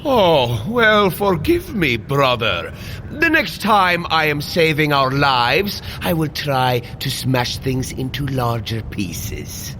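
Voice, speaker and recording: A man's voice: fairly high pitch, huge pitch swings, slow, bright, forceful tone, a little hiss or hum, full character voice. A man playing a proud warrior thunder god in an audio drama, with formal, archaic phrasing and a dryly teasing manner. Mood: wry. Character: gruff, proud god of thunder, adult warrior, wryly exasperated.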